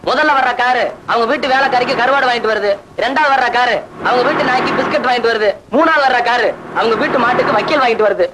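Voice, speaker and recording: An actor playing a cheeky servant who makes mocking jokes in 1980s film comedy dialogue. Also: male voice, extremely high pitch, quick pace, few pauses, background noise. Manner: jokey, mocking.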